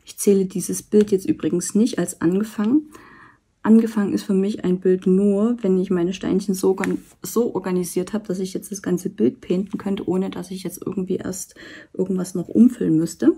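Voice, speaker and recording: A woman vlogger chatting casually while she does a diamond painting, rambling with many fillers and soft asides. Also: medium pitch, steady tone, moderate pace, breathy edge. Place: indoors at a table. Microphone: camera over the work table, hands seen.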